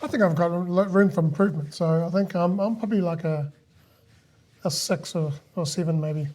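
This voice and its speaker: A man's voice: sits high, moderate pace, a little mellow. A man hosting a podcast, talking in a casual, conversational interview style. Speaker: podcast host.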